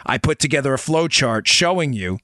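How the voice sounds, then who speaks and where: Bright, forceful, insistent man hosting political talk. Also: mid-range voice, lively intonation, a little fast, no echo. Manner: emphatic, insistent, punctuated with rhetorical questions. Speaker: political talk show host. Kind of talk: conversational political monologue.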